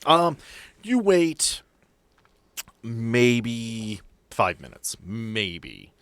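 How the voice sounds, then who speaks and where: A man's voice: medium pitch, very animated, drawn-out words, fairly bright tone, clean tone, no room sound. A man working as game master, narrating a tabletop role-playing game in a descriptive, explanatory way with asides.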